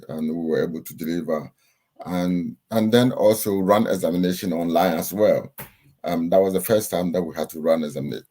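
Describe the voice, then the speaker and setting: Ghanaian guy, low mellow voice, steady and teacherly, lots of ums. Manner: steady, instructive, with frequent "um" and "uh". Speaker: guest, chartered accountant and lecturer. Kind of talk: measured interview answers.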